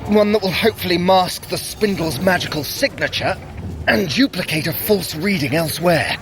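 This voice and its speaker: An actor playing a vain, sardonic trickster god and sorcerer in a theatrical, wry audio adventure style. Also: male voice, sits high, moderate pace, close to an everyday voice, low-quality recording. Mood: proud, defensive. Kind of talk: scripted audio adventure acting.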